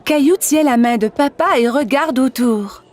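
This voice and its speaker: A woman narrating a scripted children's cartoon story in an expressive storytelling manner. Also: high voice, measured pace.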